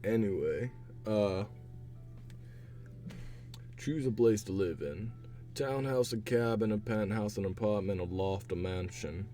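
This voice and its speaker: A young man streaming casual chat while he takes online quizzes. His voice is hoarse and raspy, and he rambles with a chatty manner. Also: lowish voice, a little slow, pauses often, dark tone, soft background music. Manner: chatty, rambling, laughs to himself. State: hoarse, voice partly gone.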